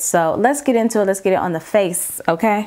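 Fairly quick speech from a woman against a quiet background. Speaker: beauty youtuber. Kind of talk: product review tutorial. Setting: home video with mic. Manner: loud; casual, filler-heavy.

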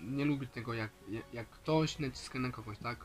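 A man talks with fairly even intonation. Faint music plays in the background. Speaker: vlogger. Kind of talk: casual vlog chat. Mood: reflective, slightly uneasy. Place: home room. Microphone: phone near.

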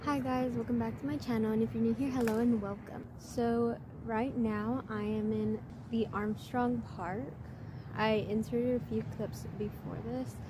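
Against noticeable background noise, a woman with a very deep, low pitch speaks at a moderate pace in a dry sound with no echo. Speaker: vlogger. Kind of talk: casual vlog chat. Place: garden. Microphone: phone near.

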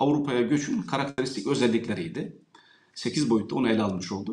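Audible room echo surrounds a man as he speaks. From Turkey. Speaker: journalist and documentary producer; journalist guest. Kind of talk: interview. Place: home room. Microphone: video call.

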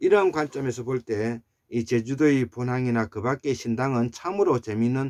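The recording sounds dry and close, with no echo. A man talks at a moderate pace. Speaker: lecturer. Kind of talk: lecture reading from a book. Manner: halting, many filler words.

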